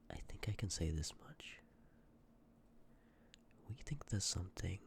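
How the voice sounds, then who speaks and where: A man playing a sympathetic, courteous Death in an ASMR roleplay, speaking with measured, formal politeness and often dropping toward a breathy whisper. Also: sits low, darkish tone, slight background noise, heavily acted. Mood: apologetic, explanatory. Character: sympathetic, courteous personification of Death, calm and ancient. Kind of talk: ASMR roleplay, scripted acting addressed to listener.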